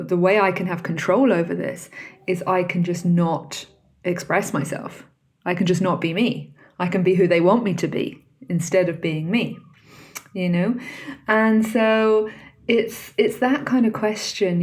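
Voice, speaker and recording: On her solo podcast, this host muses reflectively and chattily while asking the listener questions. She has a mid-range, slightly mellow voice.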